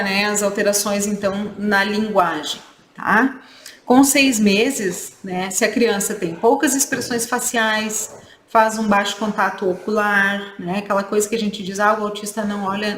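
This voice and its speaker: A woman clinician delivers a training lecture in a roomy, echoing space with a faint ambient hum behind her. She explains step by step and keeps checking in with her listeners through short tag questions. Her pitch sits at a mid level for a woman. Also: fairly bright tone. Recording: echoey room with faint ambience.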